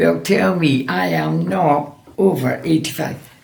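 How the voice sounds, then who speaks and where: Amid noticeable background noise and audible room echo, a woman speaks at a very slow pace with very wide pitch swings. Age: 80s+. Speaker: church member giving testimony. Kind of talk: testimony. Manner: halting.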